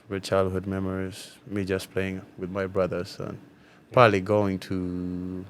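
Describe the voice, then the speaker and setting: A young man from South Sudan whose first language is Dinka, answering interview questions in a relaxed way with many fillers. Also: low-pitched, moderate pace, slight background noise. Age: young adult. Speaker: college basketball player, guest.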